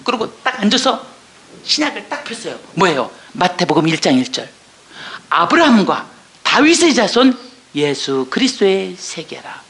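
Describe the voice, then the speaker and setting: A woman's voice: mid-range voice, big pitch swings, normal speed, a bit bright, roomy sound. A woman missionary giving an emotional testimony, earnest and tearful, with many exclamations and rhetorical questions.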